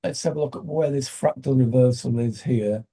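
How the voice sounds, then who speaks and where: Croaky British male trading host, very dark and husky, muses aloud with many fillers. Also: mid-range voice. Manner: thinking aloud, halting with fillers. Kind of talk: live trading commentary.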